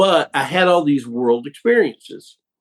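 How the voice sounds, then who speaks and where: Music in the background accompanies a man talking with an American accent. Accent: hillbilly. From Florida. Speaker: TV sports producer and author. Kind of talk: interview. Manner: rambling, halting with many restarts.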